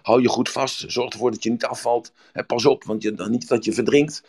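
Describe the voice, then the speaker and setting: A man voicing a cautious, slow male turtle from a fable, wary and reasoning. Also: medium pitch, fairly even intonation, a little mellow, slightly rough, pitched above the performer's own voice. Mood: friendly.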